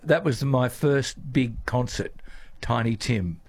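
Older man, halting gardening advice. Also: mid-range voice. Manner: halting, filler-heavy. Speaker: gardening expert. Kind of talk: casual radio chat. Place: radio studio.

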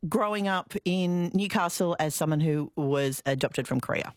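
A low-voiced woman hosts a radio interview. She chats easily, tossing in quick asides and murmured mm-hmms. The studio sound is dry and close. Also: no echo. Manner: chatty and warm-toned, with quick asides and many mm-hmms. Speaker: radio host.

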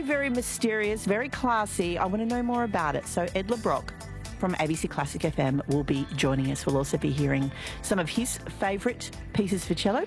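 Bubbly Australian woman radio presenter. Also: medium pitch. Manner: bubbly and chatty. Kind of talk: live weekend radio chat. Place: radio studio.

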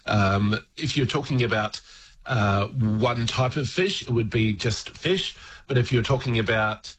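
A man's voice: medium pitch, unhurried, fairly bright tone, a little hiss or hum, rough recording. A man, a regular word expert on a radio show, chatting casually with lots of ums, restarts and laughs. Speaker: regular language guest on radio.

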